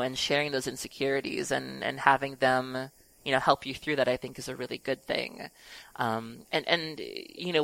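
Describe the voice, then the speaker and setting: A woman's voice: very deep voice, creaky, a bit bright, no room sound, rough recording. A woman hosting a podcast, giving conversational advice in an earnest, encouraging manner. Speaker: podcast host.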